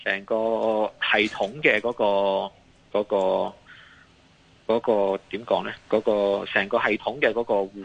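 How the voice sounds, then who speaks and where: A man's voice: fairly low pitch, level tone, unhurried, creaky, fairly bright tone, lo-fi sound. A man with a Hong Kong accent giving live market commentary as a guest analyst, hesitating, repeating phrases and mixing in English terms.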